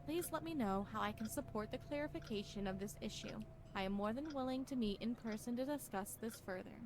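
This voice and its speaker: A woman playing a grave character in a horror game, reading sinister letters and diary entries aloud in a measured, formal, dramatic way. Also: a little high, music in the background, lightly acted. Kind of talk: scripted horror game narration.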